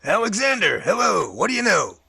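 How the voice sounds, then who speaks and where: A man's voice: high-pitched, sing-song, a little fast, creaky, crowd noise, heavily acted, poor audio. An actor playing a feisty, wisecracking professor in his sixties, with folksy, teasing banter in an audio drama. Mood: friendly folksy. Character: feisty wisecracking old professor, tough man of sixty-five.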